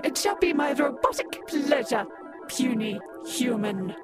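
A condescending robot pitchwoman, voiced by a woman from an old-time radio ad. She sings out her slogans slowly in a high, lilting voice and sneers at puny humans. Music plays behind her. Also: big pitch swings. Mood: haughty. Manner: mocking, sing-song sales pitch. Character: haughty female robot pitchwoman, scornful of humans. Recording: music bed under voice.

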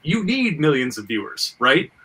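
Male podcast host, very bright voice, recorded at a distance; enthusiastic, stammering, conversational. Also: on the high side, big pitch swings, normal speed, slightly rough. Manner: rambling, stammering, repeats words as he thinks. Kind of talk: casual conversation about making independent comics and audio.

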